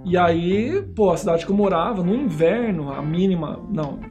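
A man's voice: high voice, normal speed, muffled recording, over music. A man with a Brazilian Portuguese accent, a missionary guest telling stories casually and acting out the voices in them. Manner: animated, acts out voices in his stories. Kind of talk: casual storytelling.

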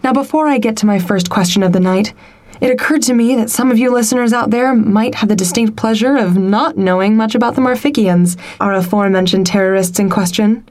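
A woman's voice: mid-range voice, a little mellow, natural voice. A woman voicing a brassy female sex-advice radio host on a space station, speaking in polished, sassy on-air patter in a comedy audio drama.

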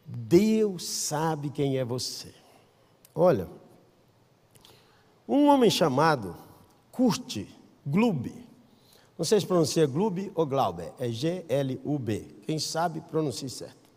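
A Brazilian man preaching a sermon as pastor, telling stories with acted-out quotes, swinging between loud calls and hushed asides. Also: fairly high pitch, slow, pauses often, slightly rough, big-room sound. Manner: animated storyteller, acts out quotes, swings from shouting to hushed. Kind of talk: sermon with storytelling. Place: church.

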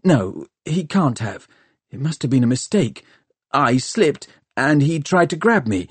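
A man's voice: medium pitch, very animated, unhurried, breathy edge, no echo, voice pushed up. A man voicing a bewildered, naive and loyal young city man in an audiobook, earnest and pleading. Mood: shaken, disbelieving. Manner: earnest, pleading, wobbly when upset. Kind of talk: audiobook character dialogue.

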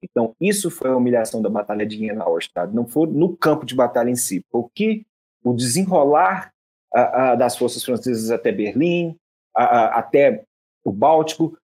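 A man's voice: medium pitch, lively intonation, normal speed, darkish tone, breathy edge. A man hosting a history show, explaining battles in a casual lecturing way and often stumbling over repeated syllables and restarts.

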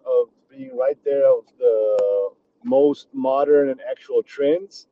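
A man from Austria speaks in an earnest, casual way, often stopping to restart his sentences. His voice sits at an ordinary middle pitch, and the recording sounds a little dull and muffled. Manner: earnest, frequent restarts and filler. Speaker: basketball coach. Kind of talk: casual personal talk.

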